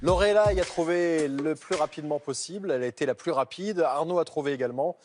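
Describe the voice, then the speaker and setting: A man's voice: fairly high pitch, fast, a little mellow. A man hosting a TV quiz, presenting rules and scores to the players in a studio. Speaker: game show host. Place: TV game show studio. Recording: studio audience and music behind voice.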